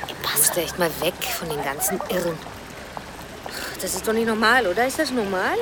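An actress playing an excitable young woman friend in a radio play, gushing and chatty. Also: medium pitch, moderate pace, very noisy, close to an everyday voice.

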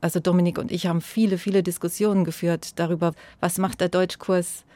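A woman pastor, speaking in a thoughtful, measured way in an interview and growing animated when she stresses a point. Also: lowish voice, no echo. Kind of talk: interview conversation.

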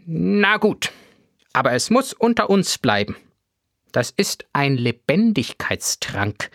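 A jittery, stammering little museum professor, put on by a man reading a storybook aloud. The voice jumps high in panic and swings through a lively range. The sound is dry and close. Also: takes it slowly, dry recording, exaggerated voice. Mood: secretive. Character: jittery bald little male museum guide.

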